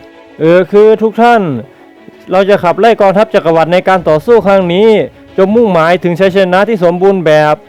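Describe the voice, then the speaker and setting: A musing, self-mocking slime demon lord, as a man reading a novel puts him on, higher-pitched than most men and talking slowly. Soft music plays faintly behind him. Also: smooth, close to an everyday voice. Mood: addressing troops. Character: wry, easygoing slime demon lord, male. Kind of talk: web novel read aloud.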